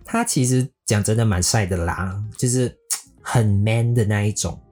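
A man telling a scripted personal story in a lively way, dropping English words into his sentences. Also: on the low side, normal speed. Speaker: storyteller recounting a motorbike trip. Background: faint guitar music.

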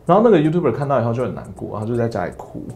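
A young man with a Taiwanese Mandarin accent hosts a casual solo podcast, speaking very fast over soft background music. He tells stories animatedly, acting out other people's lines in high, raised voices.

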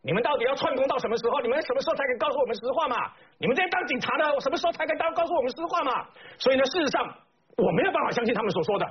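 A man's voice: extremely high pitch, animated, rapid-fire. A man with a Taiwanese Mandarin accent giving indignant talk show commentary, full of emphatic rhetorical questions. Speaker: political commentator. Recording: slightly dull broadcast audio.

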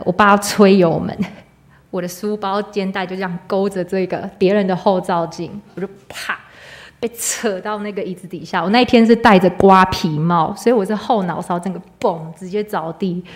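Woman, 30s, Taiwanese Mandarin accent; church member sharing a personal testimony in relaxed, chatty storytelling. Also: mid-range voice. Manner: conversational storytelling, filler "dui" and pauses.

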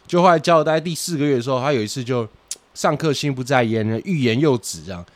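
A man who coaches boxing, chatting casually on a podcast, telling lively anecdotes and swearing for comic effect. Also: mid-range voice, quick pace, no echo.

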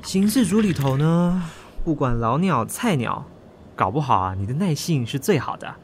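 A young male cop with a very lively, bouncing intonation and a Taiwanese accent. He is easygoing, talkative and a bit of a grumbler, in radio drama style with faint background noise. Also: a little high, moderate pace. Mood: chatty. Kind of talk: Mandarin audio drama acting.

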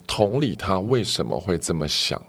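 Man, podcast co-host, low voice, animated intonation, reflective casual chat. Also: normal speed, slightly rough. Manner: reflective, explains with examples, lively inflection.

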